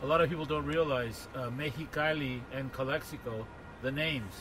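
A podcast host with a mid-pitched male voice asks his questions warmly and admiringly, dropping in the occasional "uh" as he goes. Steady traffic noise from an outdoor setting runs clearly under his voice. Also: moderate pace. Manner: warm and admiring, with frequent filler "uh". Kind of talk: conversational interview.

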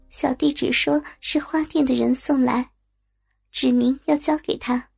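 A woman narrates a story in a steady, even reading voice. Her voice is high with a light gravelly texture. Faint music runs beneath the narration.

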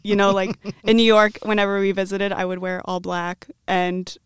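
A woman's voice: mid-range voice, little pitch movement, normal speed, clean tone, dry recording. A woman in her twenties from the American Midwest, chatting casually as a podcast guest in an upbeat, talkative way. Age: 20s. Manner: chatty, upbeat, many likes. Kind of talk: casual chat.

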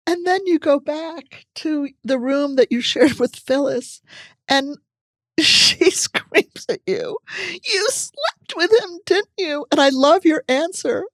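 A woman hosting an interview podcast, eager and laughing along with her guest. Her pitch swings widely as she reacts. The recording is close and dry. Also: lively intonation, takes it slowly, no echo. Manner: warmly enthusiastic, laughing often. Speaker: podcast host.

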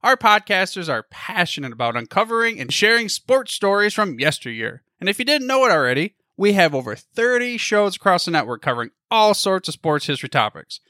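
A man's voice: high-pitched, sing-song, brisk, few pauses, bright, forceful tone, dry recording, clean studio sound. A man hosting a podcast network spot, friendly and enthusiastic. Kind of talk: scripted network promo.

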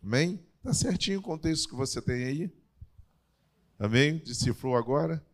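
Hoarse-edged Brazilian preacher man. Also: fairly high pitch, expressive, normal speed. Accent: Brazilian Portuguese. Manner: conversational, building up energy when storytelling. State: voice still recovering, slightly hoarse. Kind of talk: sermon.

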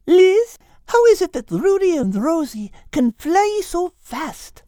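A man's voice: very high-pitched, very animated, slow pace, dark tone, dry recording, clean studio sound, pitched above the performer's own voice, exaggerated voice. A man voicing an eager, curious young female animal who keeps asking questions in a children's story.

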